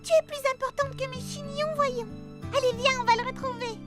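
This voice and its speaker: A woman voicing a bubbly, caring young girl hairdresser in an expressive, exclaiming way for a children's cartoon dub. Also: extremely high pitch, brisk, reverberant, far from the mic. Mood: concerned, caring. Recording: music behind the voice.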